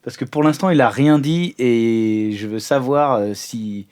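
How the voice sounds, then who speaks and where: A man's voice: mid-range voice, unhurried, darkish tone. A man playing an improvised tabletop role-playing game, describing his actions in a casual, hesitant way. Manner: hesitant, informal.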